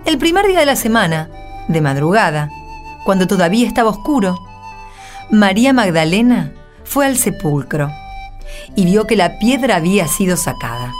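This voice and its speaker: An Argentine woman reading scripted narration in a measured, solemn manner. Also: mid-range voice, big pitch swings, faint music behind. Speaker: narrator and Gospel reader.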